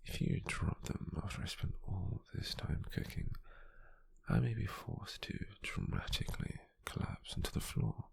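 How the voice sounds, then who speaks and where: Gentle, doting British wizard boyfriend played by a male ASMR actor: low, gravelly half-whisper, tender and softly teasing. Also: wildly swooping pitch, moderate pace, heavily acted. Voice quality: breathy, husky near-whisper. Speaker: ASMR roleplay performer. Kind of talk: ASMR roleplay, intimate whispering.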